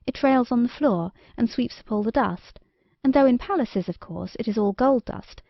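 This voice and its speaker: A woman's voice: a little high, normal speed, creaky, no room sound, dull audio. A woman reading a scripted children's story as an audiobook narrator.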